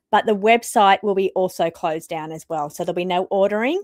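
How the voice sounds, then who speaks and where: In an Australian accent, a woman speaks on a very clean recording with a silent background and a dry, close sound without echo. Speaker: tarot reader and content creator. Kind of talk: casual chat on a live stream.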